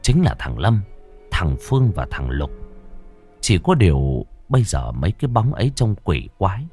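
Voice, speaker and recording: A man's voice: low voice, huge pitch swings, normal speed, warm tone, soft background music. A man narrating a ghost story in a grim, dramatic way.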